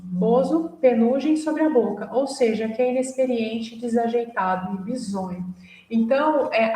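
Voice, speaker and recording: A young Brazilian woman with a Brazilian Portuguese accent giving a literature lecture, measured and explanatory with frequent fillers. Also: a little high. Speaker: university lecturer. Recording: echoey room, mic at a distance.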